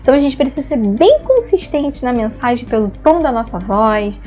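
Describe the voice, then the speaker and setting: Brazilian lady explaining stuff in an online class, keeps saying né, kinda muffled audio, soft music behind. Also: fairly high pitch, very animated, moderate pace. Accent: Brazilian Portuguese. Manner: explanatory, frequent "né?" tags, acts out praise and "no" examples. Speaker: ABA therapy instructor. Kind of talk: online lesson to parents and therapists.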